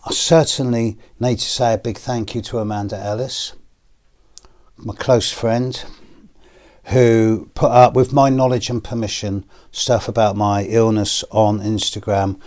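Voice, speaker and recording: A middle-aged British astrologer speaks to his viewers in a personal video, hoarse and coughing after an illness. His voice is deep, fairly low and darkish in tone, and he talks slowly and measuredly with pauses and fillers.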